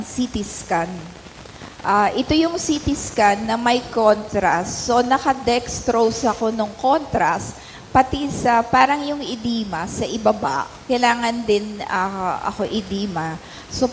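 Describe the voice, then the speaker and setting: A middle-aged woman giving a personal testimony in a church hall, telling her story conversationally with halting fillers. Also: fairly high pitch. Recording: echoey hall with faint ambient noise.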